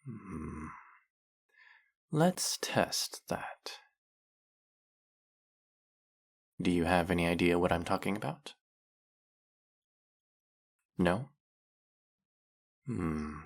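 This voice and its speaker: Man acting a deep, gravelly brooding vampire hunter. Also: heavily acted. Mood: puzzled, probing. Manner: interrogating, measured, wry. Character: centuries-old male vampire hunter, brooding, suspicious, menacing. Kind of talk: dramatic audio roleplay, addressing the listener.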